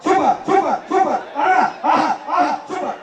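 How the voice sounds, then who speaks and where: A man calls out the action through a loudspeaker PA, his voice pitched very high as he shouts over the crowd. The sound booms with heavy echo from far off, and a big crowd roars behind him. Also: normal speed. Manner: shouting, repeating cheers and prize lists. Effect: through a loudspeaker PA system. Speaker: event announcer. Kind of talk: live bull-taming commentary. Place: outdoor arena. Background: loud cheering crowd.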